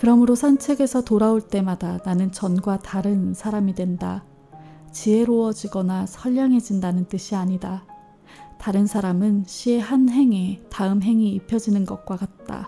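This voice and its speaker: With music in the background, a woman speaks in a calm tone at medium pitch, fairly slowly and with fairly even intonation. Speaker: booktuber reader. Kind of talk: essay reading aloud, ASMR. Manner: soft-spoken, calm.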